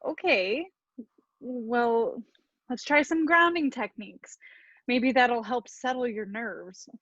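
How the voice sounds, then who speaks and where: An actress playing an encouraging, bossy best friend in a comedy sketch, coaxing and emphatic. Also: female voice, fairly high pitch, slow pace, a bit bright, no echo, highs cut off, exaggerated voice. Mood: exasperated, protective. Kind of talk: virtual staged comedy sketch reading.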